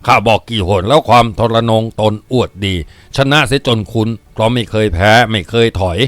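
A man reading as a hardened old village headman and gang boss with a gruff, brooding, commanding manner. It sounds dry and close, in the unhurried voice of a storybook reading. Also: fairly low pitch, a bit bright, dry recording, close to an everyday voice. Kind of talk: audiobook character reading.

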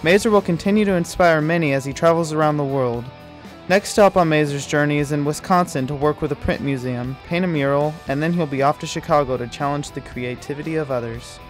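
A man narrating a short documentary from a script, in an even read-aloud manner. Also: on the high side, brisk. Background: light music.

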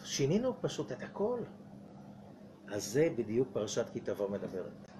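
A man's voice: medium pitch, huge pitch swings, mellow, slight background noise. A man, a rabbi giving a weekly Torah portion lecture. He asks the audience rhetorical questions and acts out little dialogues. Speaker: rabbi teaching Kabbalah.

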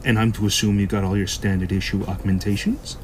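A man's voice: lowish voice, little pitch movement, a little fast, darkish tone, lightly acted. Man playing sardonic black-market boss over noisy ambience. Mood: sly. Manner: sarcastic, swearing. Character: foul-mouthed, sly black-market shop boss, grimly pragmatic. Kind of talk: science-fiction audio drama acting.

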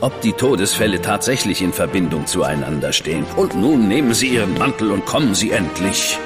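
Deep and dry, the male voice of Mycroft Holmes, a cool, reserved investigator and brother of a famous detective, swings widely in pitch. The German radio drama performance is measured and withholding, recorded with long reverb and background music.

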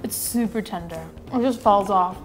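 A woman's voice: medium pitch, moderate pace, low-quality recording. A woman hosting a casual food show at home, talking while chewing as she describes taste and texture. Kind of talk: casual food-tasting commentary. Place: at home indoors. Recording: music playing under the voice. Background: background music.

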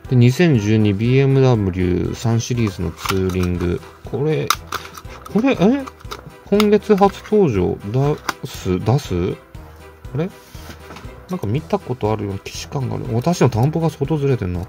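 Man, casual unboxing chat, gravelly, lively up and down pitch, muttered asides, soft music behind. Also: moderate pace. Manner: muttering to himself, chuckling, self-answering asides. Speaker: toy car collector vlogger.

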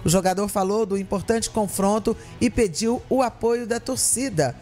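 A woman's voice: medium pitch, normal speed, dark tone, soft background music. A woman presenting sports news on the radio, reading the items steadily with brief asides. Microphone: studio mic with headphones.

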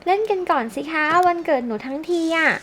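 Woman voicing a pleading teen girl at her birthday, high and childlike, for a life-sim game. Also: lively intonation, quick pace, slight background noise.

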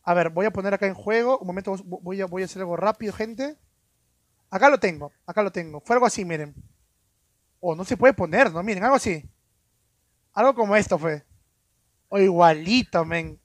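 A man's voice: high-pitched, a little fast, pauses often, no echo, clean studio sound. A man telling a story casually on a live stream, stammering and repeating words as he goes.

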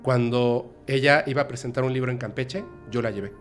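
Guy hosting a podcast, halting emotional storytelling, faint music under it. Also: mid-range voice. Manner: halting, emotional, many restarts. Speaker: podcast host.

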